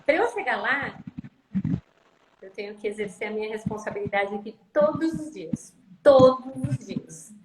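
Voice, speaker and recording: A woman's voice: medium pitch, animated, normal speed. A woman speech therapist talking about parenting on a live stream over a video call, emphatic and repeating phrases for stress. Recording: echoey room with loud background noise.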